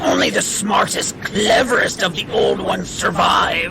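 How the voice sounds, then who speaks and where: Someone in a put-on character voice talks at a moderate pace over loud background noise. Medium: audio drama. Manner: archaic, solemn, formal.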